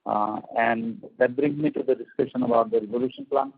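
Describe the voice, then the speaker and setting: A company executive giving a halting business briefing over a phone line that keeps breaking up, with frequent filler sounds. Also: male voice, mid-range voice, wildly swooping pitch, creaky, slightly rough. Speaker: company executive on an earnings call. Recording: tinny, dry phone line.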